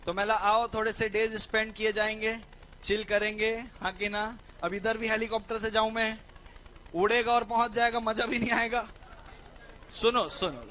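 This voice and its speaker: A young man teaching law in a lecture, telling a personal story in a lively way and often asking his listeners whether they agree. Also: sits high, slight background noise, rough recording. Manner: lively, keeps asking "right or not?". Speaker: law tutor.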